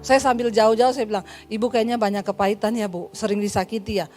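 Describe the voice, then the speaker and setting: A woman pastor with an Indonesian accent preaching a sermon, telling stories lively and acting out the voices of the people in them with humorous asides. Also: medium pitch, fast, faint music behind. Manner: lively storytelling, acts out dialogue, humorous asides.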